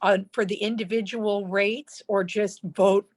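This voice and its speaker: A woman chairing a public committee meeting in a polite, brisk, procedural way. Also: medium pitch, fairly even intonation.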